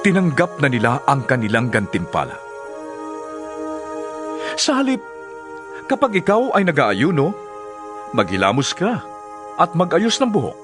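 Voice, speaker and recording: Solemn male teacher, Filipino accent, scripture drama, declamatory, very expressive intonation, soft musical backing. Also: on the high side. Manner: measured, declamatory, instructive. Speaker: voice actor.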